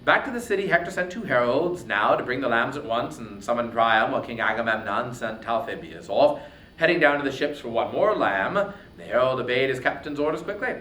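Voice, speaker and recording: A man narrates ancient epic poetry theatrically. His pitch rises and falls widely around dramatic pauses and swells. He sounds slightly distant, in an echoey room with faint noise. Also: animated, bright, forceful tone. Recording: roomy echo, distant mic, faint noise.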